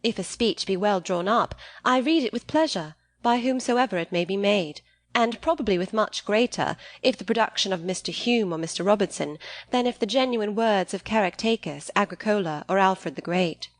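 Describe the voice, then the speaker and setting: A woman's voice: mid-range voice, normal speed, no echo, lightly acted. Woman reading as a poised, sensible young lady. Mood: composed. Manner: composed, articulate, formal.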